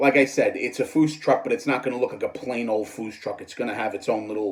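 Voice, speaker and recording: A man with a New York accent and lively intonation. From US Northeast, New York City. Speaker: scale model builder, hobby video maker. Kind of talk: casual vlog talk to viewers. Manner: casual, hesitant with fillers.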